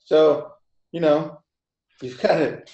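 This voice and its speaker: A man's voice: fairly high pitch, steady tone, takes it slowly, creaky, dark tone, highs cut off. A man hosting a casual group webinar chat in an informal, laid-back way. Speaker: host of a group discussion. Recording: echoey room.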